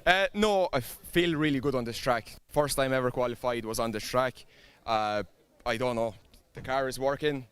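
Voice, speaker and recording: Relaxed driver, clear voice, modest. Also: male voice, medium pitch, normal speed, no echo. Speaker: drift driver. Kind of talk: quick pit interview.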